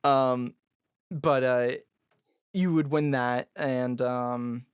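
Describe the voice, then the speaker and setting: A man with a raspy, somewhat high voice, chatting loosely as a podcast guest. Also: steady tone, very slow, no room sound, clean studio sound. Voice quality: raspy, higher voice. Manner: loose and jokey, lots of fillers. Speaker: guest musician. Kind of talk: casual podcast conversation.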